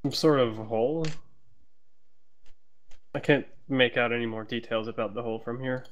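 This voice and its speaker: A man's voice: medium pitch, fairly even intonation, normal speed, highs cut off. Hesitant man playing a tabletop game. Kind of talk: casual chat during play.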